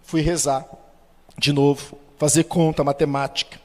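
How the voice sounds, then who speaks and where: A man's voice: flat delivery, a little slow. Brazilian man preaching in an echoing hall. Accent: Brazilian Portuguese. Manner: storytelling, acts out quoted dialogue with shifts of pitch and loudness. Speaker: Catholic lay preacher. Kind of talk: spoken testimony. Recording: long hall reverb.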